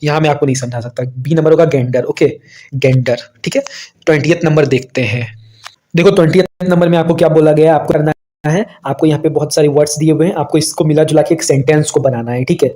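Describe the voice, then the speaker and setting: Chatty Indian male tutor, slightly high voice. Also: warm tone. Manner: talks to children, repeats "theek hai" often; reads English questions slowly, word by word. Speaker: online tutor. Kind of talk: exam solution walkthrough.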